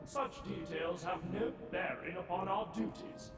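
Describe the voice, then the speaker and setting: A man's voice: high-pitched, measured pace. An actor playing a polite, formal male butler robot in a video game, courteous and fussy about duty. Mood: courtly. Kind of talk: video game character dialogue. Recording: echoey and distant, game music behind.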